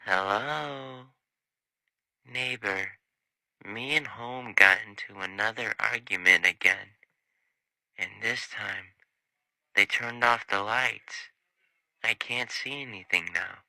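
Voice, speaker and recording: Man voicing an eerily slow, crisp puppet neighbor. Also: lowish voice, dry recording, exaggerated voice, low-quality recording. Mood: calm, subdued. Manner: slow, deliberate, deadpan. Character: eerie, polite, slow-talking male puppet neighbor. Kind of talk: puppet-show character acting.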